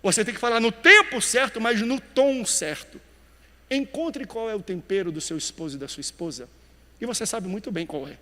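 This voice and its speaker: A male pastor preaching a sermon with animated emphasis, dropping quiet and then rising loud. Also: sits high, moderate pace, long reverb tail.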